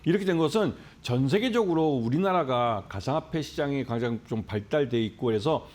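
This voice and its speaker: A man appearing as a stock market analyst guest, explaining at length in an earnest, steady way. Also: mid-range voice, brisk. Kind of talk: explanatory commentary.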